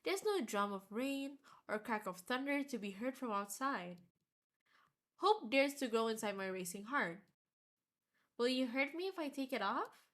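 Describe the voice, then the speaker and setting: Animated higher-voiced woman streamer reading aloud. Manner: expressive storytelling. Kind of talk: reading a visual novel aloud, dramatic narration.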